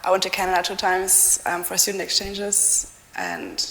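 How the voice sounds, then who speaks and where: A young woman whose first language is German speaks in a slightly low voice with a gravelly fry. She talks in a chatty, enthusiastic way, and her voice rings with long reverb as if in a big hall. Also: sing-song, normal speed, fairly bright tone. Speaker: interviewee. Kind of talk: casual personal account.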